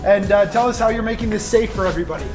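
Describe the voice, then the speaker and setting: Higher-voiced man vlogging casually over music. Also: very fast. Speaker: vlog presenter. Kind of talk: casual vlog talk to camera. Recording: music behind the voice.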